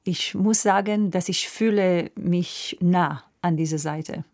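A woman opera singer from Israel with an Israeli accent, speaking slowly and thoughtfully in a radio interview, sometimes searching for words. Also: on the low side, darkish tone. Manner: slow, thoughtful, searching for words in a second language. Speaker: guest, opera soprano.

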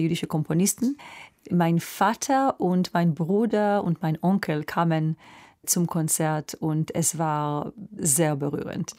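Slow-speaking Israeli soprano woman. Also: lowish voice, a little mellow. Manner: slow, thoughtful, searching for words in a second language. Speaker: guest, opera soprano. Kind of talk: radio interview.

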